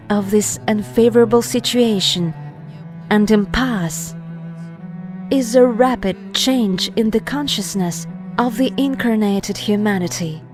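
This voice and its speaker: Female narrator for spiritual video: very slow, deliberate scripted read, soft music bed behind. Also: a little high. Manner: measured, deliberate, phrase-by-phrase reading with pauses. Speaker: narrator reading an article.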